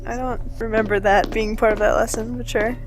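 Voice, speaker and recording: A woman's voice: a little high, flat delivery, brisk, over music, low-quality recording. A young woman chatting over a video game, making wry, teasing remarks. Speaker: let's play co-host. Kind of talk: casual gameplay chat.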